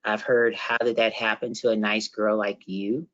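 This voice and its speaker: A man co-facilitating an online workshop, reading out participant comments in a steady way with many fillers. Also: lowish voice, moderate pace, lo-fi sound.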